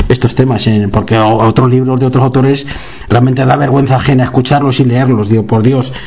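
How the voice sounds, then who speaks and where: A man from Guadalajara, Spain, an author being interviewed, who tells anecdotes in an animated way and acts out the dialogue. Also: mid-range voice, brisk, gravelly. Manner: animated storyteller, acts out dialogue, laughs while telling. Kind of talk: casual interview chat.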